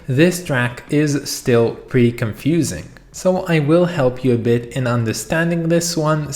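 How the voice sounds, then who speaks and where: A man at an ordinary middle pitch talks to camera about an album he loves. His delivery is casual and eager, and he strings his thoughts together with loose asides and fillers. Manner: chatty and enthusiastic, with frequent "you know" and "like". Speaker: music album reviewer. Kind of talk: casual spoken review to camera.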